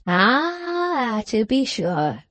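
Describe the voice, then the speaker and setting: A woman voicing a bland, benevolent old man in an audiobook, evasive, sweetly drawn-out and fond of repeating his phrases. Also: fairly high pitch, sing-song, fairly bright tone, no room sound, heavily acted. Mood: placid, evasive.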